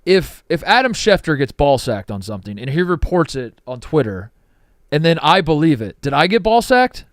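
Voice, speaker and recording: A man co-hosting a sports podcast, excitable, interrupting and laughing in casual chat. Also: fairly high pitch, normal speed, no room sound, studio quality. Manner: excitable, jumps in, laughs often. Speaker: podcast co-host.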